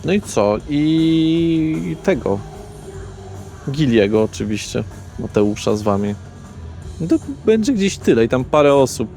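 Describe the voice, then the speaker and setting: A man's voice: medium pitch, very animated, measured pace, gravelly, warm tone, faint music behind. A man narrating an improvised tabletop role-play as game master, in colloquial language.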